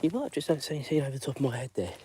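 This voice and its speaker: A man's voice: mid-range voice, sing-song, very fast, heavy background noise. Chatty man strolling outdoors. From London. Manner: rambling, chatty, lots of fillers. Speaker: vlogger walking his dog. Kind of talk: live-stream walking chat. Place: outdoors on a residential street in drizzle.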